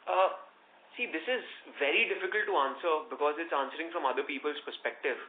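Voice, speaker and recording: A man's voice: fairly high pitch, animated, brisk. A man with an Indian accent speaking as a company executive, explaining things in corporate phrasing as he answers analysts on an earnings call. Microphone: conference call phone line. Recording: roomy, noisy narrowband conference phone line.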